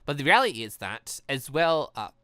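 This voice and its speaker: A gaming host voicing a stern male headmaster in a formal, measured, pointed way. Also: medium pitch, sing-song, fairly bright tone, no room sound, clean studio sound. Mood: measured, regretful.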